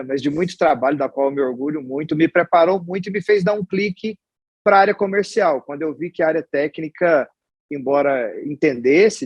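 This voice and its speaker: Husky Goiás-accented man telling stories. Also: fairly high pitch, no room sound. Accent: Goiás Brazilian Portuguese. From Goiás, Brazil. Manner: chatty and storytelling, with many restarts and tag questions. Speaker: guest, hospital executive. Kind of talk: casual interview conversation.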